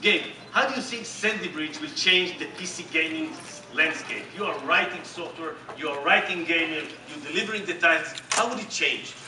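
A middle-aged man with an Israeli accent giving an animated, joking keynote presentation on stage. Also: a little high, normal speed, few pauses, recorded from a distance, background noise. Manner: animated, joking, emphatic and repetitive. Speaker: company executive presenting on stage. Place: large dark conference hall with audience. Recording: echoey hall recorded from the audience.

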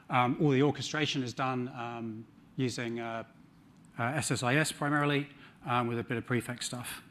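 A man's voice: medium pitch, fairly bright tone, a little hiss or hum. A middle-aged man with a New Zealand accent giving a conference talk on a large stage, with dry humor and frequent ums. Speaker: conference speaker.

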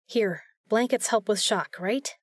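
Audio drama heroine: actress as decisive female spy, commanding, no-nonsense, mid-pitched voice, close dry studio sound. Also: measured pace, no echo, close to an everyday voice. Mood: urgent. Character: brisk, decisive, principled female secret agent.

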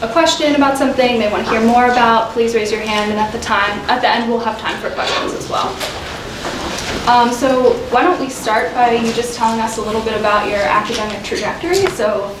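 A woman's voice: a little high, steady tone, fairly quick. A young woman moderating a panel discussion, friendly and full of "um"s. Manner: friendly, with frequent "um"s. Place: lecture room with whiteboards. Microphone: room mic from a distance. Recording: echoey room, distant mic, noisy.

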